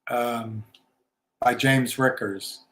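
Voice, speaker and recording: Drawing out his words, a livestream host with a medium-pitched, slightly bright voice and fairly even intonation chats casually about markets. He rambles, gives strong opinions, and adds wry asides, all with a roomy echo around him.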